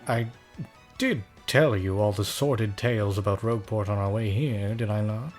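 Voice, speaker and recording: A man's voice: a little mellow, soft background music, close to an everyday voice. A man voicing a grave ship captain who warns his passenger. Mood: ominous. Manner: low, measured, ominous.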